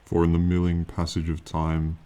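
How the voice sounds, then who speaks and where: A man voicing an ancient, proud male dragon in an ASMR fantasy roleplay, speaking slowly and formally with lofty, condescending yet fond authority. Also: low-pitched, completely flat delivery, mellow, clear, resonant tone, lightly acted. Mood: proud, warning. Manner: slow, formal, lofty, archaic phrasing.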